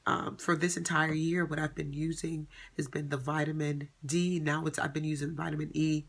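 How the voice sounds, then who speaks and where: A woman's voice: sits low, little pitch movement, normal speed, gravelly. A woman in her thirties chatting casually to camera as a vlogger, rambling with many ums and self-corrections. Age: 30s. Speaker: beauty vlogger.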